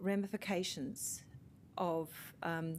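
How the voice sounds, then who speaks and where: Speaking with a New Zealand accent, a woman has a medium pitch and fairly even intonation. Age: 60s. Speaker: public submitter at council hearing. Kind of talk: public submission at council hearing. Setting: council committee meeting. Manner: halting, many fillers and restarts.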